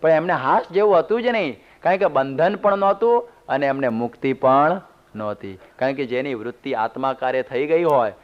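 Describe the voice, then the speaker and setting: A man's voice: mid-range voice, expressive, moderate pace. A man, a monk, giving a sermon, telling homely stories with humorous asides. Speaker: monk giving a religious discourse. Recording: dull lo-fi CD recording.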